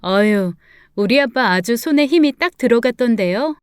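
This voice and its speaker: Woman reading as a gentle grieving daughter, a bit high, smooth clear voice, dry close mic. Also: animated, normal speed, dry recording, lightly acted. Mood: matter-of-fact. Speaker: story reader voicing the daughter. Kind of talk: storybook dialogue reading.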